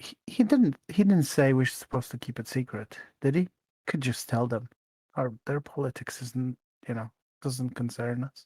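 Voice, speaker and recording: A man whispers quietly and breathily in a put-on character voice at a moderate pace. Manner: whispering.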